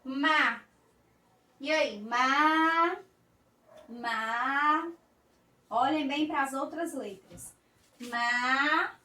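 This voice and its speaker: Slow, bright-voiced Brazilian woman teacher. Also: sits high, echoey room, distant mic. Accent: Brazilian Portuguese. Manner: slow, coaxing, sing-song teacher talk. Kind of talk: recorded remote class for young children.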